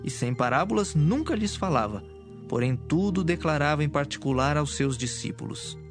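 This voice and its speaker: A man's voice: fairly high pitch, animated, normal speed. A man reading scripted, dramatic narration for an audio Bible. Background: music.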